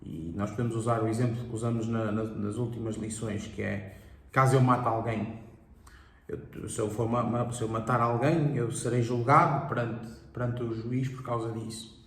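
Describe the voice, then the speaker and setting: A man's voice: medium pitch, fairly even intonation, normal speed. A man co-hosting a Bible study discussion, explaining at length with examples, restarting words and often agreeing. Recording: echoey room.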